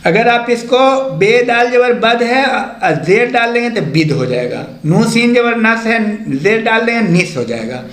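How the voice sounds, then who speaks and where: A male teacher walks learners through a lesson. His voice sits high and rises and falls a lot, and he spells out each letter slowly and patiently. The sound is echoey, as in a bare room. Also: lively intonation, fairly bright tone. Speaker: Urdu teacher. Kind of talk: step-by-step language lesson.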